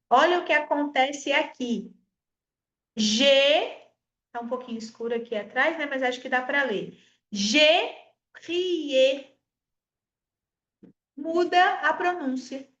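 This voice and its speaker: A woman from Espírito Santo with a Brazilian Portuguese accent, teaching a French lesson, explaining patiently, modeling words slowly and urging viewers to repeat. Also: sits high, fairly bright tone, echoey room. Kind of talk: online language lesson.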